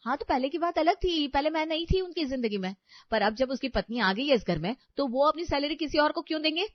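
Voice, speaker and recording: A woman's voice: high-pitched, expressive, a little fast, dry recording. A woman voicing a spoiled, haughty young bride in a cartoon story who is rude and sarcastic to her mother-in-law. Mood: demanding. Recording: dry, slightly dull audio.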